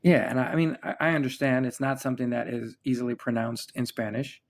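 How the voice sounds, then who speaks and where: Gravelly-voiced man hosting a casual chat. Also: medium pitch, fast talker. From United States. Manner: relaxed, rambling with many fillers and restarts. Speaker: podcast host.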